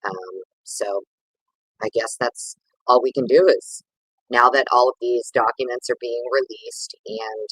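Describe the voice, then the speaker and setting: A man's voice: medium pitch, bright, forceful tone, slightly rough, no room sound, rough recording. A man hosting a casual livestream, chatting with viewers in a rambling, over-caffeinated, sweary way. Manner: informal, sweary slang. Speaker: livestream host.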